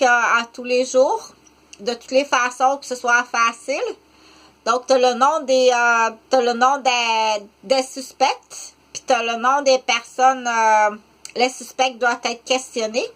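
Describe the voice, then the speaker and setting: A woman in her fifties with a Québécois French accent, talking unscripted to the camera in a rambling, halting way, full of fillers and restarts. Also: fairly high pitch, a bit bright. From Quebec, Canada. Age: 50s. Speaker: vlogger.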